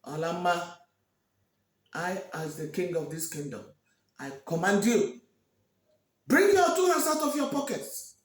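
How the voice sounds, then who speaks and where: A man doing a booming proud king. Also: slow pace, long pauses, reverberant. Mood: commanding. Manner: commanding, booming. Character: proud angry king of a village kingdom.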